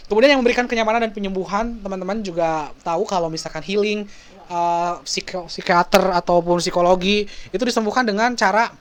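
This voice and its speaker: A man lecturing in a loose, chatty way, rattling along at a brisk clip. He stumbles, corrects himself and fills the gaps with little hesitations. He speaks to his audience like friends and slips English words in as he goes. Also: sits high, clear, resonant tone. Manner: relaxed explaining with many fillers and self-corrections, dropping in English words; addresses listeners as friends. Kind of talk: casual lecture.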